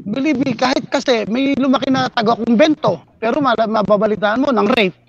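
High-voiced man, casual chat, dry. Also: a little fast, creaky, no room sound, dull audio. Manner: mixes English into talk, repeats "di ba". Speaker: podcast co-host.

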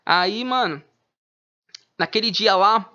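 A man's voice: high-pitched, slow, bright, forceful tone. Slangy man. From Manaus, Brazil. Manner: slangy, laid-back street talk. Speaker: rapper guest. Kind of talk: casual interview chat. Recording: dull lo-fi audio.

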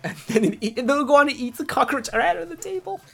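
A man's voice: extremely high pitch, lively intonation, quick pace, gravelly, pushed and bright. A man co-hosting a podcast in casual chat, recapping a cartoon episode, laughing often and acting out quoted lines. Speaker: podcast co-host.

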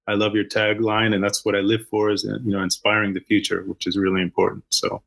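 A man's voice: on the low side, monotone, a little fast, creaky, fairly bright tone. A man in his early fifties, born in Argentina and raised in the US, talking as a guest in a podcast interview with lots of restarts. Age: 50s. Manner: rambling, many restarts and fillers. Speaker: guest, social impact founder.

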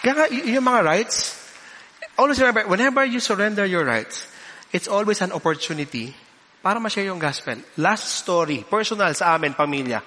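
A man preaches to a congregation with a high, bright voice, telling stories and acting out the people in them as he goes. His sermon rings through a big hall with a long reverb. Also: expressive, normal speed, a faint crowd. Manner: storytelling, switching between English and Filipino, acts out quoted voices. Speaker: pastor.

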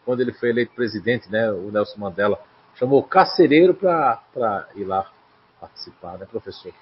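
A man's voice: lowish voice, animated, brisk, highs cut off, a little hiss or hum. A man interviewing a guest, chiming in with short remarks and asides. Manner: brief affirmations and interjections. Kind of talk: casual interview.

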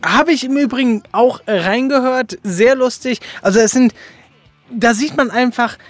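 A man's voice: very high-pitched, normal speed, no room sound, faint music behind. A man hosting a casual podcast interview, speaking in an informal and enthusiastic way. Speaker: podcast host.

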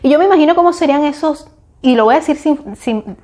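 A woman's voice: high voice, expressive, fast, darkish tone. A middle-aged woman from Venezuela with a Venezuelan accent, talking casually in a reflective monologue, often restarting and searching for words. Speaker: vlogger.

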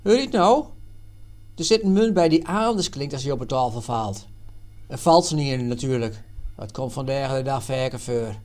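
A man reading aloud and voicing Jan, an adult man and worldly former trader who explains things earnestly and loudly. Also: mid-range voice, lively intonation, normal speed, natural voice.

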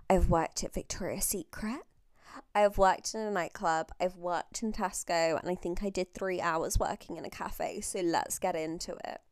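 A young Australian woman hosting her podcast alone, talking in a low, chatty voice. She mocks herself and swears freely as she gets over a chest infection. The sound is close and dry, with no room around it. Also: fairly even intonation, unhurried, darkish tone, smooth, no echo. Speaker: podcast host. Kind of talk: casual solo podcast chat.

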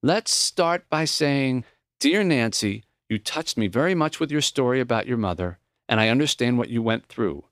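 A man reading the lines of a gentle, reflective old dying professor in a memoir audiobook, earnest and plain-spoken. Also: medium pitch, expressive, moderate pace, no echo, studio quality. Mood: gracious.

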